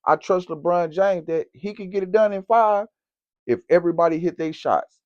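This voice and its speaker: A man giving casual, slangy basketball commentary as a vlogger, in an animated, direct way. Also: high-pitched, normal speed, dry recording. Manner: animated, slangy, talks straight to camera. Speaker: sports vlogger. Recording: dull, lo-fi, dry recording.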